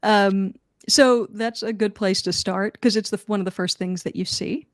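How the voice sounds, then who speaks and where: A woman's voice: mid-range voice, fairly even intonation, moderate pace, dry recording. Chatty Philadelphia-accented woman, dry sound. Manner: chatty, laughing often, self-deprecating. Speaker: co-host. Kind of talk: casual livestream chat. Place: home office.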